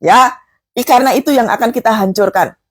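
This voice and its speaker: Husky woman preaching. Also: a little high, fairly quick. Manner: emphatic, exhorting, frequent filler tags. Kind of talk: sermon.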